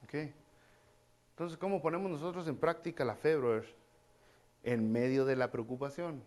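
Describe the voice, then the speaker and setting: A man's voice: mid-range voice, moderate pace, darkish tone. A man preaching a casual, conversational sermon, repeating key phrases and calling his listeners brother. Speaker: pastor.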